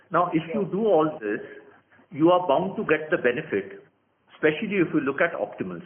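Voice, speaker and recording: A man with an Indian accent answering as a company executive on an earnings call, speaking in a firm, instructive way and setting out points. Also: fairly high pitch. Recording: tinny phone line, noisy conference call.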